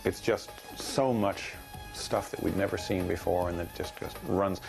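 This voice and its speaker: A man giving animated, enthusiastic commentary in a documentary interview. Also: sits low, unhurried, gravelly, music in the background.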